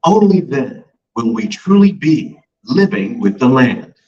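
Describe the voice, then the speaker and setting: Man's ride narration over a distant outdoor loudspeaker. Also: medium pitch, sing-song, a little slow. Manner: polished, upbeat announcer delivery. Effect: recorded narration played over an outdoor boat-ride loudspeaker. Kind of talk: scripted narration. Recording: muffled, distant loudspeaker heard from a boat.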